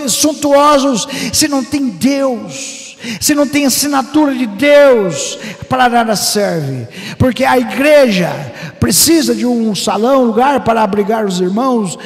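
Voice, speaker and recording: A man preaching a fervent Pentecostal sermon, breaking into shouts and sing-song phrases. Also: very high voice, long reverb tail. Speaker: pastor. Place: church hall.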